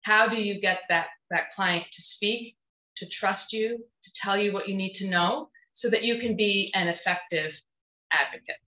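Bright-toned American woman professor. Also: mid-range voice. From New York State, USA. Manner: measured, with frequent um and checking "right?". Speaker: visiting law professor. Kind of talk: course introduction lecture. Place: office, seated at a desk beside a colleague. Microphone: shared webcam mic on a video call. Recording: roomy, dull video-call audio.

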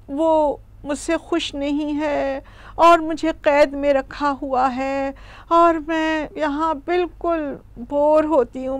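A woman's voice: high-pitched, no echo, natural voice. A woman voicing a tired old female cow who sighs and grumbles about her lot in a children's storybook telling. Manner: sighing, grumbling.

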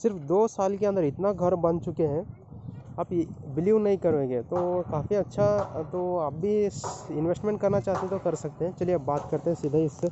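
A man's voice: sits high, normal speed, lo-fi sound, background noise. A young man talking casually through a walking tour of a construction site, mixing Hindi and English with fillers, recorded outdoors on a handheld phone. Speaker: civil engineering vlogger. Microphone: phone held at arm's length.

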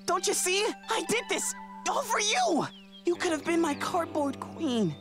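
A proud, bitter boy builder in a cartoon, all villainous gloating. His voice sits very high and swoops dramatically, and he takes his time over each boast. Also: big pitch swings, a little slow, over music, exaggerated voice. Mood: pleading. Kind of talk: cartoon voice acting.

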